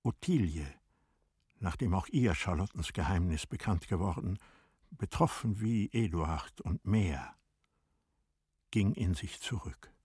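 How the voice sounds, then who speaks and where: A male narrator tells a classic literary story in a formal, measured way. His voice is low and husky, recorded close and dry. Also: animated, a little mellow, no echo.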